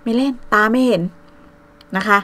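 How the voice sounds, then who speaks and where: A woman's voice: fairly high pitch, normal speed, fairly bright tone, no echo. Blunt, scolding woman in her fifties. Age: 50s. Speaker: vlogger. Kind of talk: casual livestream rant.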